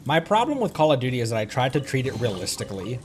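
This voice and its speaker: A man streaming a game, chatting casually in a giggly, rambling, animated way. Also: medium pitch, quick pace, slight background noise. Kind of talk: casual chat while playing a game.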